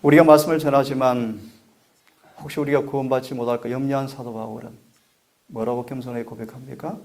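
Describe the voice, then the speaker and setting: A middle-aged man, a pastor, giving an earnest, measured sermon and asking the congregation for prayer. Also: mid-range voice, steady tone, darkish tone.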